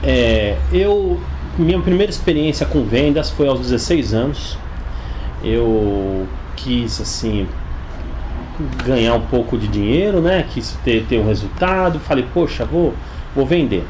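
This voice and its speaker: A man in his forties speaks with a São Paulo Brazilian accent and a mid-range pitch. He answers in a conversational interview style, as a sales coach would. Clear background noise and ambience sit behind his voice. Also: animated, a little slow, darkish tone, poor audio. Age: 40s. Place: inside his home.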